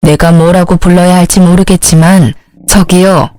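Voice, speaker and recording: A woman voicing a dignified middle-aged mother who speaks in a calm, measured way, in a dry recording. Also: fairly low pitch, no room sound, natural voice.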